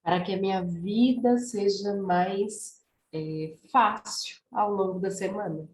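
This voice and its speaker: A woman's voice: mid-range voice, slow. A woman, taking part in an online study group over a video call and thinking aloud in a chatty way. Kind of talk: casual group discussion. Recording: echoey room on a call.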